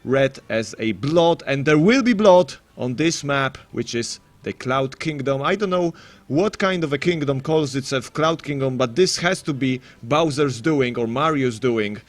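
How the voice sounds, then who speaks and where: A man's voice: mid-range voice, expressive, a little slow. A man commentating live on a game tournament in a casual, rambling way, full of matey banter and mock-announcer flourishes.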